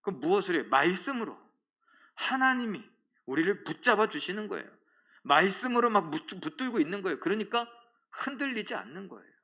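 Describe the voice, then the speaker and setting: A man's voice: high voice, sing-song, fairly quick, pushed and bright. A male pastor preaching a sermon, telling a story and asking the congregation questions. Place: church.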